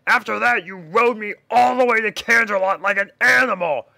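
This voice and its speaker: A man voicing a grumpy, indignant river shark with a gravelly, forceful voice and a blunt manner, for a story reading. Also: high-pitched, moderate pace, dry recording, voice pushed up, full character voice. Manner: blunt, aggrieved.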